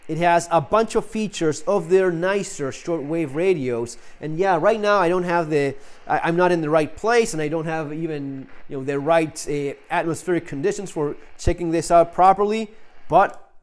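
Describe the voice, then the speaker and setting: A man's voice: fairly high pitch, moderate pace. A man giving an unscripted, casual product review, rambling and cutting himself off with emphatic asides. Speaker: product reviewer, channel host.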